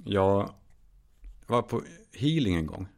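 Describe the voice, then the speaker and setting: Guy thinking out loud on his podcast, low gravelly voice, lots of ehs and swearing. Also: expressive. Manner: candid, musing, swears casually, many fillers and restarts. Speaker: podcast host. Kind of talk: solo reflective monologue.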